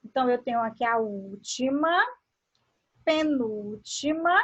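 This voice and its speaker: A woman teacher from Brazil, giving a grammar lesson. She draws words out slowly and asks the class questions as she explains. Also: sits high, lively intonation, a bit bright, breathy edge, highs cut off. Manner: slow, drawn-out word pronunciation with questions to the class.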